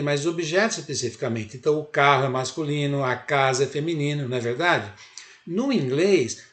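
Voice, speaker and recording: A man's voice: fairly high pitch, roomy sound. A man from Brazil teaching an online English lesson, explaining patiently step by step and often checking in with his students.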